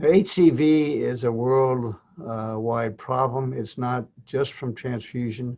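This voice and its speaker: Very slowly, a man speaks in a dark, mellow tone. His pitch is medium, with ordinary variation. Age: 80s+. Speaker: Nobel Prize-winning virologist. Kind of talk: interview answer. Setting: video call.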